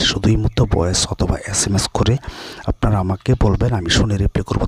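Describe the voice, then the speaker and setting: This is a man with a low, husky voice. He instructs his viewers insistently and boasts about his work. At times he draws his words out into a slow, chanting delivery. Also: darkish tone. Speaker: self-styled spell practitioner.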